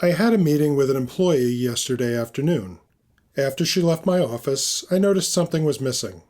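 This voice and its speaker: A smug, moneyed executive, acted by a male narrator in an urban fantasy audio story. He is terse and guarded, with clipped, patronizing delivery pitched up from the narrator's usual voice. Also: expressive, brisk, darkish tone, lightly acted. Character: wealthy, smug businessman client, terse and guarded.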